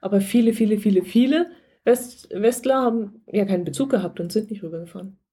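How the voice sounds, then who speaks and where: A woman's voice: mid-range voice, a little fast, breathy edge. Woman podcast host in a middle register, easygoing interviewer. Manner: relaxed, encouraging, laughs often. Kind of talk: casual interview.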